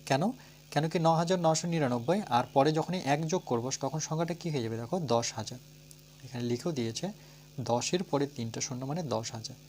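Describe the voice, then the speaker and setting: A man with a Bengali accent teaches a math lesson at a middle pitch. He walks through each step, counting slowly aloud and spelling words out letter by letter. A faint hiss and hum sit under his voice. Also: darkish tone. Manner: talks through steps, asking and answering his own questions.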